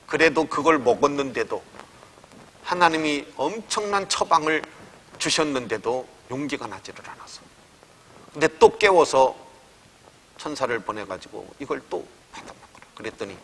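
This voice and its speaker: A man's voice: mid-range voice, expressive, moderate pace, fairly bright tone, a little hiss or hum. A man pastor delivering an emphatic sermon, acting out prayers with rising intensity. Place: church sanctuary. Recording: church hall reverb.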